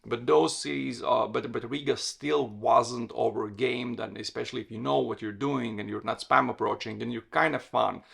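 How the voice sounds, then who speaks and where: A man's voice: medium pitch, fairly even intonation, moderate pace, vocal fry, few pauses, fairly bright tone, slightly rough. A man from Latvia, hosting a solo podcast in a direct, conversational way and often correcting himself mid-sentence. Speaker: podcast host and dating coach.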